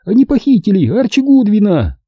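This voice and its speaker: A man's voice: sits high, very animated, a little fast, husky, no room sound, highs cut off, voice pushed up, heavily acted. A man reading an audiobook, voicing a tipsy young woman who rambles indignantly through her points. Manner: drunken rambling, counting points.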